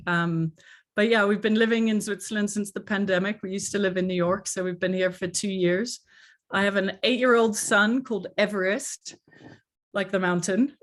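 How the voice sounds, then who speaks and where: Woman with a hard-to-place international accent. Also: medium pitch. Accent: mixed international English accent, hard to place. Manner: warm, earnest and chatty, with many fillers. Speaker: coach and workshop host. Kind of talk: online workshop introduction. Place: home, speaking over a video call.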